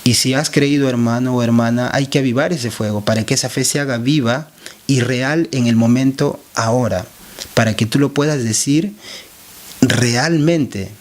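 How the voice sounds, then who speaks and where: Earnest evangelist, testimony style, halting delivery. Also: male voice, mid-range voice. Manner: earnest, halting, with pauses and restarts. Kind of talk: spoken religious testimony.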